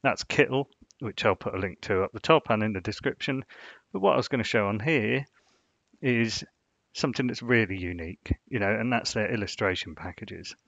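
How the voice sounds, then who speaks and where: Man, low voice, casual tutorial walkthrough, rambling, dull dry lo-fi recording. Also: moderate pace, vocal fry, fairly bright tone, dry recording. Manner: rambling, full of "you know" fillers. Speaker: design channel host. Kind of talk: casual screen-share tutorial.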